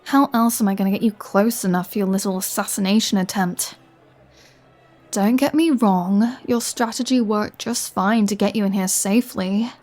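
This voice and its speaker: A woman's voice: mid-range voice, normal speed, darkish tone, soft background music, natural voice. A woman playing a flirty, sardonic vampire in an ASMR roleplay, teasing and sarcastic with a playful threat. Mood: sardonic, scheming. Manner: teasing, sarcastic, conversational with sighs. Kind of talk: ASMR roleplay audio drama.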